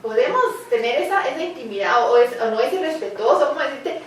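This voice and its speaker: A woman's voice: sits high, animated, quick pace, slight background noise. A woman in a Bible study group asking a question, thinking aloud with hesitant restarts. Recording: very echoey room, voice heard from a distance.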